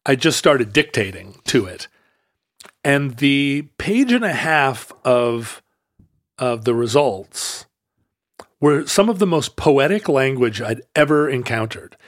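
Man, podcast co-host, halting speech full of restarts, dry close sound. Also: mid-range voice, animated, no echo. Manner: halting, many restarts and fillers. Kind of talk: casual conversation.

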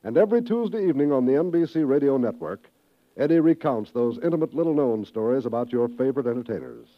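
A man's voice: mid-range voice, expressive, fast. A man with an American accent announcing formally in the style of 1950s network radio. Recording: dull old radio recording.

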